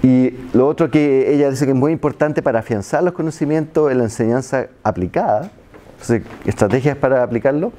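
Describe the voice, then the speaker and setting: A man's voice: medium pitch, fairly quick, mellow, slight background noise. A middle-aged man gives a conversational university lecture to a seated class, checking in often with the students and adding self-mocking asides. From Chile. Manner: conversational, asks "¿ya?" after nearly every point, self-deprecating asides. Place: seminar room with projector and seated students. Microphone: handheld microphone, filmed by far camera.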